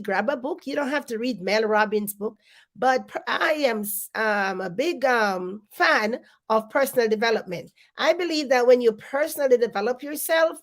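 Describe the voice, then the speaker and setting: A middle-aged woman hosting an encouraging self-help talk, sounding stuffy and congested, with many ums and repeated phrases. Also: on the high side. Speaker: host. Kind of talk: motivational live-stream talk.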